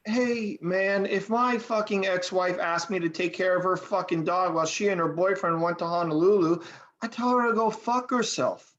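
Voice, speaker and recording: A woman's voice: fairly low pitch, normal speed, muffled recording, close to an everyday voice. A woman acting a laid-back but exasperated male slacker in a script read, casual, hesitant and sweary. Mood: exasperated, annoyed. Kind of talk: acted table read of a film script.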